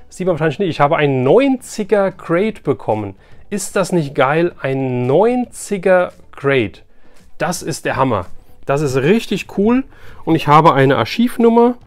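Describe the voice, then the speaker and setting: Higher-voiced enthusiastic man, casual chat. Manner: enthusiastic, colloquial, repeats phrases for emphasis. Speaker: collector presenting an unboxing video. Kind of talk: casual unboxing chat to camera.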